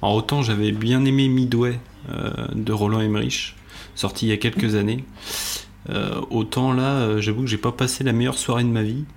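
Man, podcast co-host, casual hesitant delivery, blunt opinions, medium pitch. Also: fairly even intonation, a little fast, vocal fry, darkish tone, slight background noise. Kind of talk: casual film review chat.

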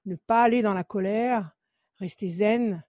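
A woman's voice: medium pitch, unhurried, mellow, dry recording, studio quality. A woman working as a psychic on a call-in show. She gives firm advice again and again and counts cards under her breath. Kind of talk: phone consultation with card reading.

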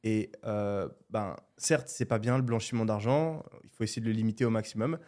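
A man co-hosting a casual podcast, making an emphatic, argumentative case and filling pauses with "euh". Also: on the low side, darkish tone. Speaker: podcast co-host.

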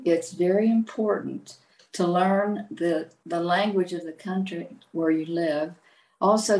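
A woman's voice: on the low side, a little mellow, roomy sound, poor audio. An older woman from Virginia with an American accent, a native English speaker answering interview questions carefully. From United States, Virginia. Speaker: guest.

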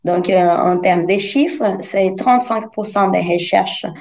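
A woman's voice: medium pitch, takes it slowly, darkish tone. Woman researcher explaining carefully. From Brazil. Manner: careful, explanatory, with hesitant restarts. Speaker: sports researcher, guest. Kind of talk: podcast interview answers.

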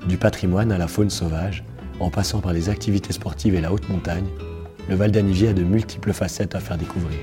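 A man's voice: sits low, steady tone, brisk, music in the background. A man hosting a podcast, reading a scripted introduction and then interviewing a guest in a friendly way, his voice a little worn. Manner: warm welcoming narration, then friendly questions. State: slightly lost voice. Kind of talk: scripted narration and casual interview.

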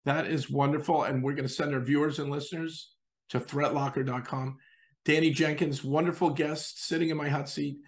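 A man's voice: on the high side, steady tone, moderate pace. A man hosting a podcast interview, enthusiastic and acting out what users say. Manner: enthusiastic, acts out quoted users. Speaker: host.

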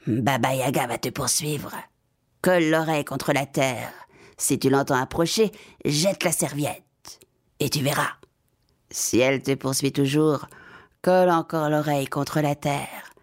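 Woman doing a gruff slow-talking black cat, low and dark, storybook. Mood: advising. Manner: gruff and deliberate.

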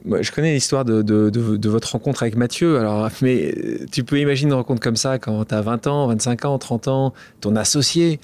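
Podcast host, man, mid-pitched voice, informal, long winding questions. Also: moderate pace, few pauses, darkish tone. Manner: informal, rambling questions with restarts. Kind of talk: casual interview questions.

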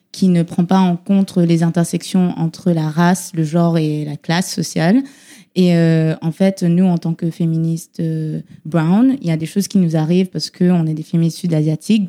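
Female podcast guest, low dark voice, earnest, explanatory, hesitant fillers. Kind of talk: casual discussion.

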